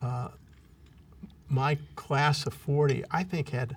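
Fairly high-pitched male voice with vocal fry, fairly even intonation and an American accent. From US Midwest, Kansas City. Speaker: law professor. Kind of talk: interview.

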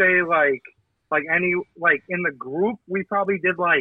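A man with an American accent, high in pitch, at a fairly slow pace. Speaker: local rapper. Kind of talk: interview.

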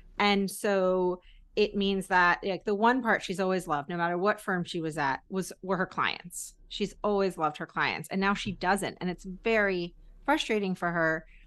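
A woman speaks at a moderate pace with fairly even intonation. Her pitch is medium, and she has an unremarkable speaking voice. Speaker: podcast co-host. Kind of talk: casual chat.

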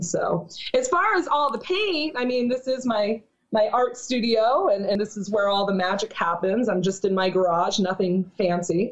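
A woman with a normal speaking voice and an American accent talks at a moderate pace with lively intonation and very even loudness. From US Northeast, Boston area. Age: middle-aged. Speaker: furniture maker and artist. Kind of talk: casual chat.

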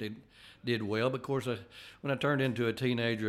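A man with an Appalachian accent speaks in a monotone, flat intonation. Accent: Southern US (Appalachian). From US South (Tennessee). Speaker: church Sunday school teacher. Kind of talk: testimony.

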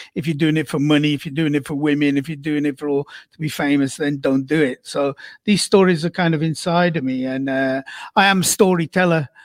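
A man with a Birmingham accent talks at a fairly quick pace in a fairly high voice with fairly even intonation. The recording is very clean, with a silent background and a dry, close sound with no echo. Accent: Birmingham (Brummie) English. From Birmingham, England. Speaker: author. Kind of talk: interview.

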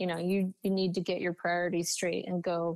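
Here a woman is speaking. Her pitch is fairly low. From Washington D.C. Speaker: winemaker and business owner. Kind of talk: interview.

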